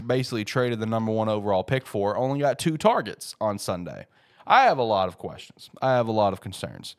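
A low-pitched man talking football in a loose, rambling way. He sounds stuffed up from a head cold, and his talk is full of fillers and restarts. Now and then he breaks into worked-up, emphatic bursts. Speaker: podcast host. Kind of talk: casual sports talk.

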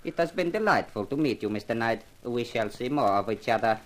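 A man's voice: medium pitch, expressive, fairly quick, lightly acted, rough recording. A man playing a boastful, menacing Arab guard with formal, precise speech in a 1950s radio drama. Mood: boastful menace.

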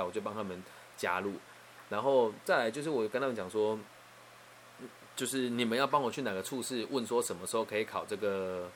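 Fast-talking man storyteller. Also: lowish voice, a bit bright, slight background noise. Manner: brisk retelling full of quoted dialogue. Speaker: career counselor. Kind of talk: storytelling monologue.

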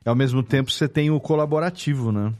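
A man's voice: medium pitch, fast talker, darkish tone, faint music behind. A man hosting a podcast interview, chiming in with agreements and summing up his guest's points. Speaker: podcast host. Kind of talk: casual interview chat.

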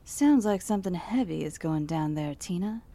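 A woman playing a late-night radio DJ with a gravelly voice, chatting in folksy on-air patter. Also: on the low side, expressive, normal speed, dark tone.

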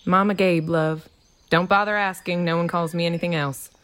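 A woman acting a brash small-town matriarch in a fiction podcast. Her voice is on the low side, and she talks in a blunt, teasing, familiar way, bossing people about. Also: fairly even intonation, normal speed, fairly bright tone, lightly acted. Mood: breezy, teasing. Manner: familiar, blunt, uses pet names. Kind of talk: audio drama acting.

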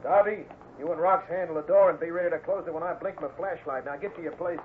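An actor playing a ruthless, bossy cattle rustler gang leader, barking orders in old-time radio Western style. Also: male voice, a little high, fast, natural voice. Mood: scheming, commanding. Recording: noisy, tinny vintage radio recording.

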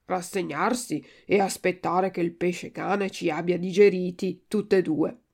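A woman's voice: on the low side, fairly even intonation, a little slow, a little mellow. A woman voicing a resigned, philosophical male tuna with a cracked voice in a storybook reading. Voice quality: cracked, like an untuned guitar.

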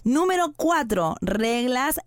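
A woman's voice: high voice, big pitch swings, takes it slowly, dry recording, studio quality. A woman with a Rioplatense Spanish accent co-hosting a casual couple's podcast, earnest and advice-giving, quoting arguments in voices. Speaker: podcast co-host.

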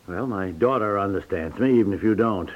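A man's voice: on the low side, brisk, lightly acted. An actor playing a proud, stubborn husband in 1950s radio comedy, flustered and stammering as he repeats himself. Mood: stubborn, defensive. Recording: dull 1950s radio recording.

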